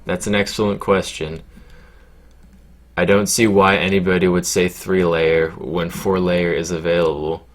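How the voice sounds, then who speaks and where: Deep-voiced deadpan guy answering questions. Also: measured pace. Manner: deadpan, low-key, sounds glum by his own account; rambling with many fillers and swearing. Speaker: YouTuber answering viewer questions. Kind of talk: casual Q&A chat.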